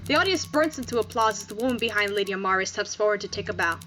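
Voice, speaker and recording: A woman's voice: mid-range voice, lively intonation, racing, fairly bright tone, faint music behind. A woman reading a visual novel game aloud as narrator and host, dropping in casual asides.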